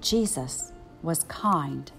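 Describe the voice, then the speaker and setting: A woman's voice: deep voice, lively intonation, very slow, gravelly, a bit bright, faint music behind. An older woman narrating a children's picture book as a story time reader.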